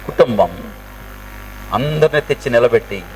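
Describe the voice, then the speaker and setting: A man's voice: medium pitch, animated, normal speed, darkish tone. A male pastor giving an impassioned sermon, mixing in English phrases. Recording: distant mic with faint mains hum.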